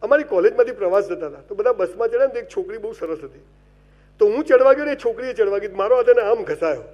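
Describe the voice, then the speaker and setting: High-voiced, animated male motivational speaker. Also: fast, highs cut off. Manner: animated comic storytelling with wide swings in loudness; addresses the audience directly and gives advice. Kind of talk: humorous motivational speech.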